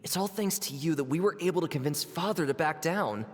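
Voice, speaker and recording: A woman voicing a quiet, admiring young woman in a video game, speaking softly. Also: sits low, a little fast, natural voice. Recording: long hall reverb.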